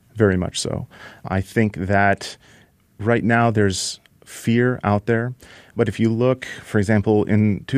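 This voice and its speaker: In a very clean recording with a silent background, a man with an American accent speaks fairly slowly in a plain, everyday voice, fairly low in pitch with fairly even intonation. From United States. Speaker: navy veteran. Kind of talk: radio interview. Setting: studio.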